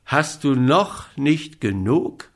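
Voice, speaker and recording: A man voicing the kind old moon in a storybook reading, speaking slowly and gently. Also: mid-range voice. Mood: patient. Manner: slow, gentle, calm.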